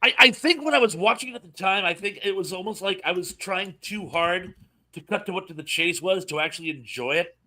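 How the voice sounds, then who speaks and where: A man's voice: high-pitched, lively intonation, brisk, sharp tone. A man co-hosting a live film discussion, rambling and laughing as he talks. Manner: rambling, laughs often, restarts sentences. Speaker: podcast co-host. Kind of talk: casual live chat.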